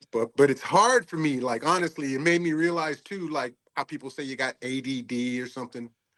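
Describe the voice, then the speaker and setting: With an American accent, a man speaks at a fairly quick pace with hardly any pauses. His pitch is fairly high with ordinary variation, and the background is quiet. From Washington DC. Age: 60s. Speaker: musician. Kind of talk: interview. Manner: casual, animated.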